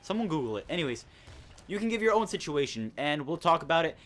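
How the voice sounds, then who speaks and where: Teenage boy, rambling storyteller, slightly high voice, faint background hiss. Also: sing-song, fast, a bit bright. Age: teens. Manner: chatty storyteller, indignant, rambling. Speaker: host. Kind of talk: casual gaming commentary chat.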